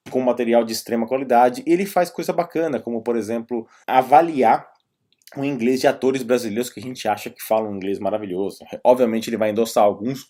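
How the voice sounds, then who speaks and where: This is a man with a dark, mid-range voice and a Brazilian Portuguese accent. In a relaxed vlogger style, he wanders through explanations and recommendations, tossing in side comments as he goes.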